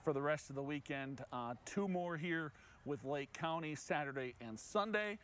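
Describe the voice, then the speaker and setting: An American man hosting a casual sports chat, repeating himself and pausing as he finds his phrasing. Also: on the high side, expressive, a bit bright, a little hiss or hum. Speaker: sports director, show host.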